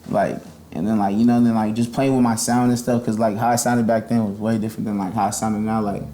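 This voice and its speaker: A young man chats as a podcast guest, rambling loosely with plenty of slang and filler words. His voice is dark and mellow, and the room around him rings with echo. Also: on the low side, flat delivery, quick pace. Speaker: guest rapper. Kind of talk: casual podcast chat.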